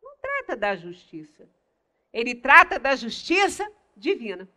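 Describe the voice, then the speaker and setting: An older woman with a Brazilian Portuguese accent giving a religious study talk in a small meeting room, explaining slowly and stressing single words. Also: high-pitched, sing-song, bright, forceful tone. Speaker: lecturer at a spiritist center.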